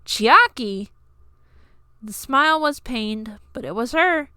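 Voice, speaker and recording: A woman's voice: high-pitched, unhurried, bright, forceful tone, smooth, no room sound, clean studio sound. A woman reading scripted fiction aloud as an amateur audiobook narrator.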